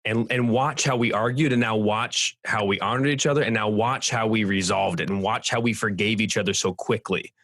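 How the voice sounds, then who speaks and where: A man's voice: fairly low pitch, fairly even intonation, fairly quick, few pauses, a bit bright, no echo. A man hosting a podcast, talking casually and sometimes searching for his words. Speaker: podcast host. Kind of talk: conversational interview.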